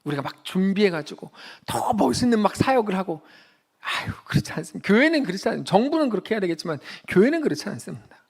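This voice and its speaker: A male pastor preaching a Sunday sermon in a church, telling stories and acting out quotes, swinging between loud emphatic peaks and quiet low asides. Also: sing-song, quick pace, gravelly, few pauses, breathy edge. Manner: storytelling, acts out quotes in a child's voice. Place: church sanctuary.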